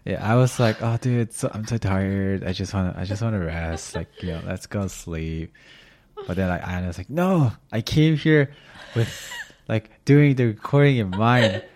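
A man with a slightly raspy voice hosting a podcast as a casual, slangy, sweary chat. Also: on the low side, normal speed, a little mellow. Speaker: podcast host. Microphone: podcast microphone.

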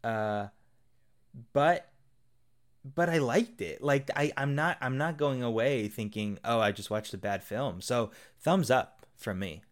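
A man's voice: mid-range voice, a little slow. A man, a guest on a film podcast, telling a joke in a rambling way and laughing as he goes. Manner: rambling storyteller, laughs at own jokes. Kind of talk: casual film podcast chat.

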